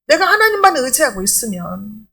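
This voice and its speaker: A woman's voice: high voice, very animated, fairly quick, gravelly, pushed and bright, slightly rough. A middle-aged woman pastor preaching a sermon in an emphatic, conversational way, asking rhetorical questions.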